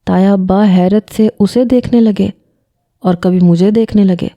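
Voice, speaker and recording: A woman's voice: medium pitch, fairly even intonation, mellow. A woman narrating an emotional first-person audio story in an earnest way.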